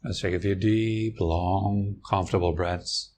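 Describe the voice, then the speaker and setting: A man with a very deep voice leads a guided meditation. He speaks slowly and calmly, leaving long pauses between short phrases. A faint hiss of noise sits under the recording. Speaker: meditation teacher.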